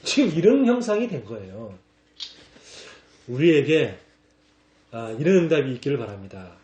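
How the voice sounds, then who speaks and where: A man pastor preaching a lively sermon, acting out scripture in casual slang and laughing along. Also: mid-range voice, moderate pace, roomy sound, dull audio.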